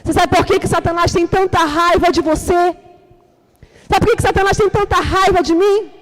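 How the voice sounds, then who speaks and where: A woman with a Brazilian Portuguese accent preaching a sermon at a church service, emphatic and repetitive, rising to shouts. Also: very high-pitched, fairly even intonation, moderate pace.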